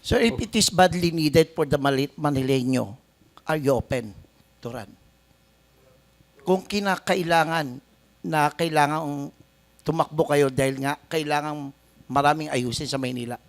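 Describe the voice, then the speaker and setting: A man's voice: on the high side, moderate pace, pauses often. A man with a Filipino accent moderating a forum, asking polite questions.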